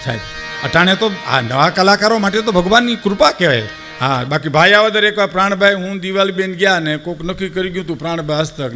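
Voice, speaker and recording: An older man with a Saurashtra Gujarati accent telling folk anecdotes to a live audience, acting out the people he quotes and often calling listeners sir. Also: sits high. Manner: animated, acts out quoted speakers, addresses audience as sir. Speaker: folk storyteller. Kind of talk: dayro storytelling to a live audience.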